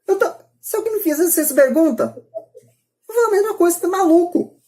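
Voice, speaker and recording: A woman's voice: very high-pitched, animated, fast, a little mellow. A Brazilian woman giving her opinions in a podcast discussion, emphatic and repeating her points. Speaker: podcast speaker.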